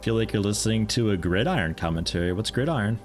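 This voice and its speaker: Low-voiced man chatting through a stream. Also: animated, quick pace, faint music behind. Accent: mixed American with picked-up European mannerisms. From United States. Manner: rambling, chatty, self-interrupting, amused. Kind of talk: casual live-stream chat while playing.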